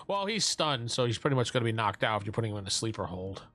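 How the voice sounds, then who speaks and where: A man's voice: fairly low pitch, big pitch swings, fast talker, fairly bright tone, faint music behind. A man running a tabletop game as game master, joking and laughing often as he narrates. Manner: jokey, laughs often, slips into silly voices.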